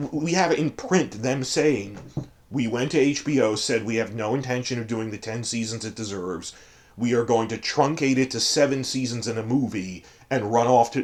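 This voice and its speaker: A man with a hoarse voice from a cold delivers a long, digressive monologue as a fandom commentator. His pitch sits in the middle of the usual range, and he talks with an emphatic, scornful edge. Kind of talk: ranting commentary.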